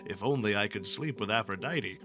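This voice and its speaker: An amused, gossipy male god put on by a man reading aloud banters in a raised, bright voice. The delivery is playful storybook declaiming over faint music. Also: fairly low pitch, brisk, pitched below the performer's own voice, lightly acted. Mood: teasing, lusty. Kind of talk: storybook character voice.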